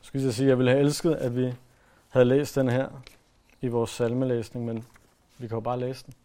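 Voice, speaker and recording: A man preaching a sermon in an earnest way, pressing his points hard and then letting his voice fall soft. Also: medium pitch, level tone. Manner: earnest, rises to emphatic then drops to soft.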